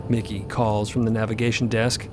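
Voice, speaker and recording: A man's voice: lowish voice, flat delivery, moderate pace, background noise. A man giving scripted, literary narration for an audio drama. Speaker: narrator and voice actor. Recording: loud music behind.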